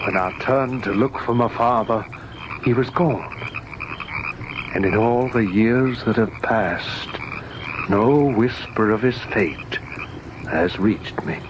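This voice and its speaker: A haunted, grieving son tells his ghostly tale for old-time radio. He speaks very slowly and solemnly in a lowish voice. Clear noise and night ambience sit around the old recording. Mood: solemn, eerie. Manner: slow, solemn, dramatic delivery.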